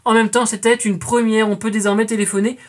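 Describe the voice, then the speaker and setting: A woman's voice: fairly high pitch, little pitch movement, quick pace, a little mellow. A woman in her twenties hosting a scripted educational quiz, chatty and playful, calling her viewers friends and adding jokey asides. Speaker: quiz show host.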